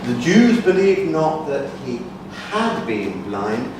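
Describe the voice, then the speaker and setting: A man narrating a dramatic reading of scripture at a conference, deliberate and expressive. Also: mid-range voice. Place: conference hall. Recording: echoey hall from far off, background noise.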